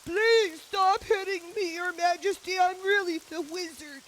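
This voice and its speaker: A woman voicing a sick, fretful male wizard in a puppet show, speaking slowly and apologetically. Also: very high-pitched, fairly bright tone, slight background noise. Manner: slow, apologetic, earnest.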